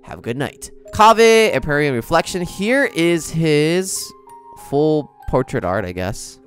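A young man gives casual reaction commentary as a gaming host. His speech is slangy and informal, with animated intonation. Faint music sits behind his voice. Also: fairly high pitch, unhurried. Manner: informal, slangy, easily amused.

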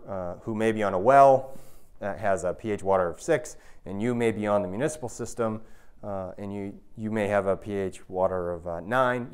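An American man in his thirties lecturing to an audience in an emphatic, explanatory manner, often checking in with the listeners. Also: on the low side. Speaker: university researcher giving a public talk. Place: indoor lecture room with an audience.

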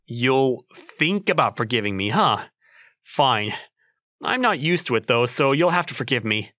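A man's voice: medium pitch, sing-song, measured pace, sharp tone, no echo, studio quality. A young man playing an awkward, self-doubting single guy in a manga dub, with a wry, self-questioning manner. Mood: flustered. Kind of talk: manga dub acting and narration. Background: music.

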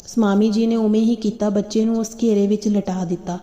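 Flat, dark-voiced woman storyteller. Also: medium pitch, fairly quick. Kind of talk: reading a moral story for children. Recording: dull lo-fi recording.

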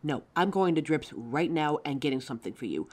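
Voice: mid-range voice, lively intonation, brisk, close to an everyday voice. A performer playing a caring, anxious young werewolf partner in a roleplay audio drama, tender and fussing, stammering when flustered. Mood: worried, insistent.

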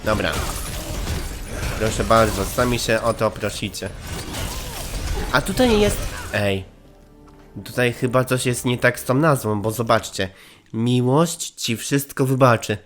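A man hosting a let's play, chatty and easygoing, his voice stuffy and slightly hoarse from a cold. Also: mid-range voice, steady tone, a little slow. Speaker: gaming channel host. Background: game music.

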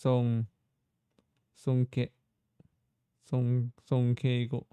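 A man hosts a casual live stream, chatting while he plays, thinking out loud, stammering, repeating words and putting questions straight to his viewers. His voice is dark, his words are drawn out, and the recording is dry.

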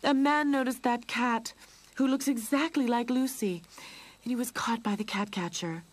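Woman as a high-voiced, kindly cat owner. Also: moderate pace, lightly acted. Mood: upset.

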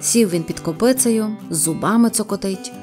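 A woman narrates a humorous story in a lively, playful way. Her voice is mellow and warm at an ordinary pitch. Soft guitar plays faintly behind her. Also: normal speed. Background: faint guitar music.

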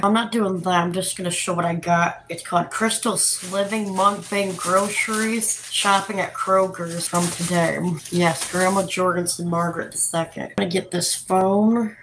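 A woman's voice: fairly low pitch, background noise. A woman in her thirties on a rambling live stream from a cluttered hotel room, sassy and defensive as she talks to her chat. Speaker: livestreaming vlogger. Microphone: phone camera close up.

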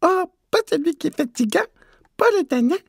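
Squeaky, whiny little pest. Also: male voice, animated, fairly quick, creaky, no echo, clean studio sound, exaggerated voice.

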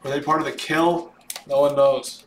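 A man hosting a live sports card break, announcing names in an excitable, drawn-out way, his voice starting to wear. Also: a little high. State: voice starting to give out. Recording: roomy echo, background noise.

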